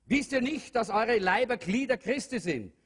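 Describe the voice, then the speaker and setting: A man's voice: extremely high pitch, expressive, moderate pace, fairly bright tone, husky. A man preaching a sermon to a congregation, earnest, with many fillers and rhetorical questions. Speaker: pastor. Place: church hall. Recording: long hall reverb.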